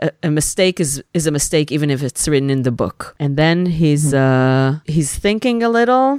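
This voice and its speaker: A woman speaks at a moderate pace with an Israeli accent. Her pitch is very deep and low. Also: lively intonation. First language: Hebrew. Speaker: podcast host and linguist. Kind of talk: casual chat. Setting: video call.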